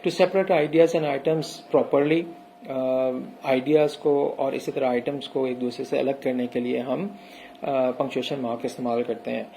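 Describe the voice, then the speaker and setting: A man's voice: mid-range voice, fairly even intonation, creaky, mellow, a little hiss or hum, poor audio. A man teaching an English grammar lesson, explaining step by step and reading out English example sentences. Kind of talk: recorded classroom lecture.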